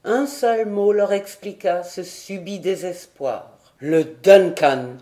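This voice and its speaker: A woman's voice: mid-range voice, takes it slowly, warm tone. A woman narrating a classic adventure novel as an audiobook, reading expressively and dramatically. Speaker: audiobook reader.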